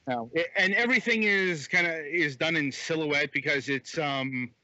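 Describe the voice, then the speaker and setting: A man's voice: fairly high pitch, moderate pace, sharp tone, slight background noise. A man co-hosting a casual game review podcast, talking with many fillers and restarts over a phone microphone. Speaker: podcast co-host reviewing games. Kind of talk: casual chat. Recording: dull lo-fi phone mic.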